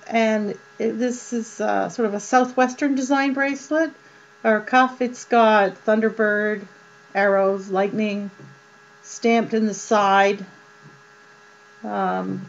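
A woman vlogger doing a casual show-and-tell of jewelry, chatty and unhurried, with many ums and uhs. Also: mid-range voice. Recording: dull lo-fi sound with mains hum.

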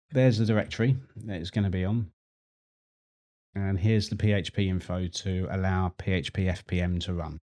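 Walking viewers through a screen-recorded tech tutorial, a middle-aged host stays relaxed and talkative, repeating himself as he goes. His voice sits low.

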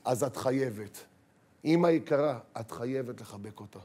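A man lecturing parents as a rabbi, dramatic, acting out scolding voices and swinging from loud to hushed. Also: mid-range voice, husky. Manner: dramatic, acts out scolding parents and teens, shifts from shouting to hushed. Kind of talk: sermon.

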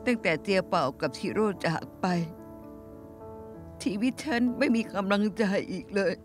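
Actress doing lonely old granny, fretful then wistful, dubbed drama, music underneath. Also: female voice, medium pitch, moderate pace, close to an everyday voice. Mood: sad. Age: older. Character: lonely old woman grieving her lost poodle. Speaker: dubbing actor. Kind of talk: Thai TV drama dub.

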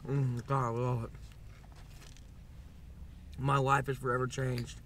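A man's voice: medium pitch, flat delivery, slow pace, a bit bright, slight background noise. A man vlogging a food taste test, talking with his mouth full while chewing, savoring the food enthusiastically. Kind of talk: casual taste-test chat.

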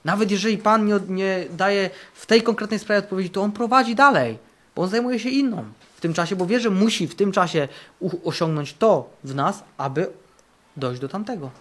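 A male camp preacher in full sermon mode, his fairly high voice rising for bold declarations and dropping for quiet, earnest passages. He drives points home by repeating key phrases. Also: fairly quick. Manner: fervent, repeats phrases for emphasis, swings between loud and hushed. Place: camp meeting.

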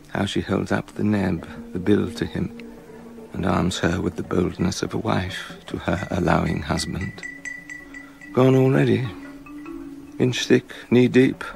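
A jealous king in a radio play: gravelly, brooding, bitter asides breaking into accusation. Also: low-pitched, exaggerated voice, rough recording. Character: jealous brooding king, middle-aged man. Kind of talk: radio drama acting.

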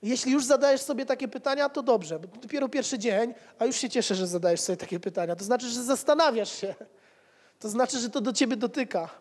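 A man's voice: very high voice, fast talker, a little mellow. Man preaching in a reverberant hall. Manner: rhetorical repetition, conversational asides. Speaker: pastor. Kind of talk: sermon. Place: church hall with pews. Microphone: handheld mic.

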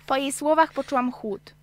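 A woman voicing an earnest young female narrator in an amateur science-fiction radio play. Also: sits high. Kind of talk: scripted radio drama reading. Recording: amateur studio take with hum.

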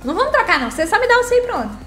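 A woman's voice: extremely high pitch, sing-song, rapid-fire, sharp tone. A woman chatting casually on a live stream, reading the chat and teasing her viewers in a playful, chatty way. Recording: echoey room, faint music behind.

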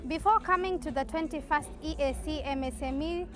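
A woman exhibitor at a trade fair giving a measured, formal testimonial. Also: sits high, faint music behind. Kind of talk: prepared testimonial.

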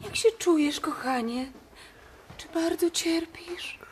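An actress playing a tender sweetheart in a radio drama, speaking in a gentle, coaxing way. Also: female voice, very high voice, slow, slight background noise. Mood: soothing. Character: tender, soothing wife or sweetheart.

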